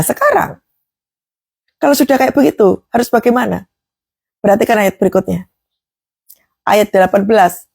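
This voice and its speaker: A woman's voice: a little high, gravelly, a little mellow, breathy edge, dry recording, clean studio sound. A woman preaching a devotional sermon, emphatic, with rhetorical questions and acted prayers.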